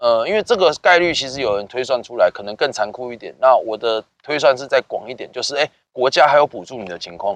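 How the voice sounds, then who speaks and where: A man at a medium pitch talks at a very fast pace with lively intonation and big swings in loudness. The sound is dry and close, with no echo. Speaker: tennis coach. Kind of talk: interview.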